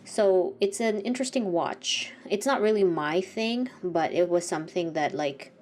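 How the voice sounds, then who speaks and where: A woman's voice: fairly low pitch, normal speed. Congested young woman chatting while painting. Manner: rambling, self-correcting, soft-spoken. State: congested, sniffly. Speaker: art vlogger. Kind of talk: casual chat while painting. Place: home art studio.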